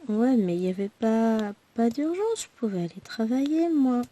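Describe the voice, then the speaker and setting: A worn-out woman with a hoarse, husky voice talks to her viewers in a loose, rambling chat. Her tone is mellow and low-key, and she pokes gentle fun at herself between coughs of tiredness. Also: lively intonation, normal speed. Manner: rambling, talkative, self-deprecating. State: hoarse from a throat infection. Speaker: crafting vlogger. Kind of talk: chatty personal update to viewers.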